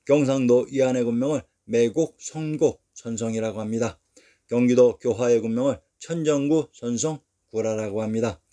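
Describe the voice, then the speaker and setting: A man reading a scripted history narration in an even, measured way, going through lists one by one. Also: mid-range voice.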